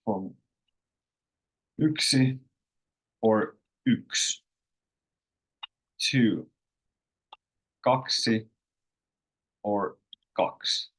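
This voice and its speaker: Slow low-voiced Finnish man teaching. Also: a bit bright, rough recording. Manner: unhurried, rambling with restarts and self-corrections. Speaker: language course host. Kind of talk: casual online language lesson.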